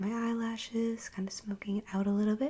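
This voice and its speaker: Soft-spoken and gentle in tone, a woman talks at a fairly quick pace over noticeable background noise. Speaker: ASMR makeup tutorial creator. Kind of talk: makeup tutorial voiceover. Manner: soft-spoken, gentle.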